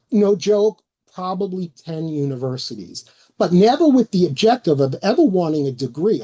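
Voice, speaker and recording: With a New York accent, the voice has a dark, mellow tone and very wide pitch swings, recorded with a dry, close sound and no echo. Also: man. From New York, Long Island. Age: 50s. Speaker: online video host. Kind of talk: casual monologue. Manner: halting, many fillers and restarts.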